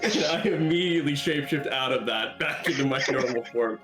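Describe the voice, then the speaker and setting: Relaxed player in an echoey room. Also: medium pitch, brisk, music in the background. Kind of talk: casual tabletop play.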